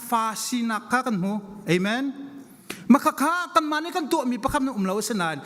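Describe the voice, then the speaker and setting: High-pitched, fervent male preacher in echoing hall. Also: animated, brisk, bright, forceful tone. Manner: emphatic, repeats phrases for stress. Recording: long echoing hall reverberation.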